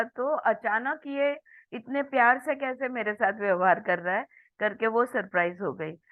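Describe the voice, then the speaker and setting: A woman leading a book study, reading English lines slowly and then explaining them briskly in Hindi. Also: on the high side, no room sound. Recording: tinny phone-line audio, dry.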